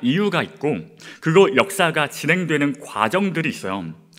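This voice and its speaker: Music plays behind a man whose fairly high voice moves at a moderate pace. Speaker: pastor. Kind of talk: sermon.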